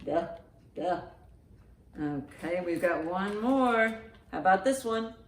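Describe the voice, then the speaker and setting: A woman hosting a children's storytime in an animated, encouraging, sing-song way, with rhymes and picture-book reading. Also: fairly low pitch, slow pace. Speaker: library storytime host. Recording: roomy, echoey indoor sound.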